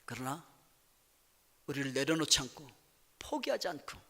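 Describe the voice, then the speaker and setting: A male pastor preaching a dramatic sermon, swinging between loud exclamations and hushed asides. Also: fairly high pitch, big pitch swings, moderate pace, vocal fry. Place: church sanctuary. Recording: echoey church hall.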